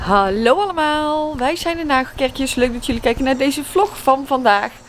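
The voice moves at a fairly slow pace with lively intonation. Light background noise sits underneath. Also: woman. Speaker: family vlogger. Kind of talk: casual vlog chat. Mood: mildly frustrated, matter-of-fact. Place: garden. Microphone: phone near.

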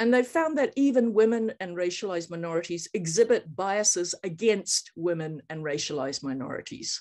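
A woman speaks at a moderate pace with hardly any pauses, her loudness swinging widely and her pitch moving through very wide swings. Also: quiet background. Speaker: law professor. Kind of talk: keynote lecture; keynote talk. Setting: online video conference. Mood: earnest, expressive storytelling. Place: home room. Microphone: webcam.

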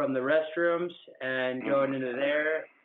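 A man speaks with fairly even intonation. There is audible room echo. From Georgia. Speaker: fish biologist. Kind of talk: meeting report. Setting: teleconference. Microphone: phone line.

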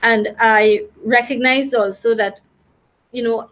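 This woman speaks in a Trinidadian accent. Her pitch sits fairly high and her intonation stays fairly even. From Trinidad and Tobago. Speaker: educator and author; educator. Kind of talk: interview. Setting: video call. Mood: reflective, calm. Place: home room.

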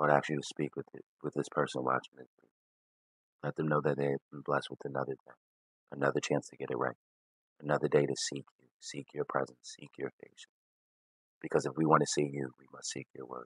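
Over a quiet background, a man with a very deep, low pitch and vocal fry talks at a fairly quick pace in a monotone, flat delivery, with long, frequent pauses and big swings in loudness. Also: dry sound with no echo. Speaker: prayer video creator. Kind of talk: fervent prayer; spoken prayer led for online viewers. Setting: video to camera. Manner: fervent, pleading, repetitive 'Lord' refrains; earnest, rhythmic, preacher-like cadence. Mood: earnest, prayerful, calm. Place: home room. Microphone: phone near.

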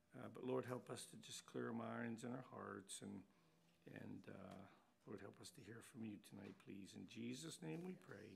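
Over light background noise, a man talks at a moderate pace. His fairly low voice swings very widely in pitch. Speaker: pastor or church leader. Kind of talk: welcome remarks and public prayer. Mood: warm, reverent. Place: church. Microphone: podium.

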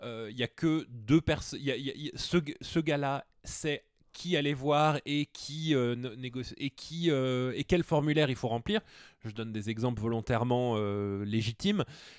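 In a dry sound with no echo and a quiet background, a man of medium pitch speaks at a fairly slow pace with ordinary pitch variation and long, frequent pauses. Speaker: political commentary co-host. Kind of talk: casual explanatory chat. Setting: recorded video, offline. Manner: hesitant, many fillers. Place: home room. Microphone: handheld.

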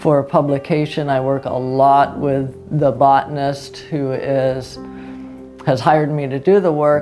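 Faint music plays in the background. A woman with a very deep, low pitch speaks at a fairly slow pace. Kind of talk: interview answer. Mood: warm, reflective. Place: home room. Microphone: lapel.

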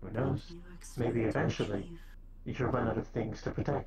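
A low-to-middle voice moves at a moderate pace against loud background noise. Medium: machinima. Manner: calm, grave, frank.

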